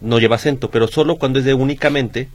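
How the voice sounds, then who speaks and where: A man's voice: medium pitch, steady tone, fast, dry recording. A man co-hosting a radio show, explaining things with dry jokes. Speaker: radio co-host. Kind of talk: casual radio banter.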